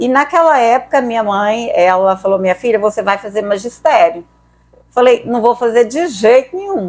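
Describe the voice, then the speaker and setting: Here a woman has a normal speaking voice with a fairly high pitch. She talks at a moderate pace with lively intonation. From Brazil, Goiás (Guapó). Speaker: teacher and former mayoral candidate. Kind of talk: interview.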